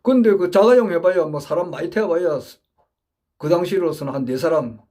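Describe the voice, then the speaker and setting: A man's voice: on the high side, a little fast, warm tone. A man giving an earnest monologue lecture, emphatic and repetitive, often restarting his phrases as he builds his point. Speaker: political supporter giving a talk.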